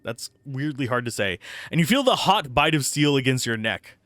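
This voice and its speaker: A man's voice: medium pitch, very animated, normal speed, a bit bright, no room sound. A man streaming a game, giving live commentary and reading game text aloud into a close microphone. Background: faint game music.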